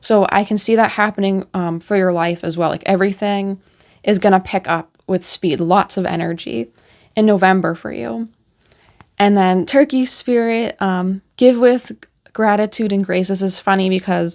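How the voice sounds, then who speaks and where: A woman talks in an ordinary speaking voice at medium pitch. Her pace is moderate and her pitch variation ordinary. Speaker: tarot reader. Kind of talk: tarot reading monologue. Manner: casual with many fillers.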